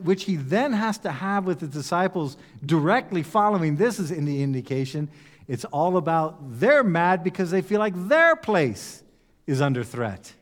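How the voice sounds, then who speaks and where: A man's voice: sits high, in a large hall. A man preaching a conversational sermon, putting rhetorical questions to his listeners. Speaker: pastor.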